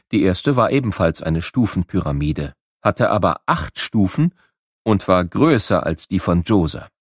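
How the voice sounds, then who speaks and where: Low-voiced man narrating for children. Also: no room sound, studio quality. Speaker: narrator of a children's educational audio book. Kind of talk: scripted explanatory narration for children.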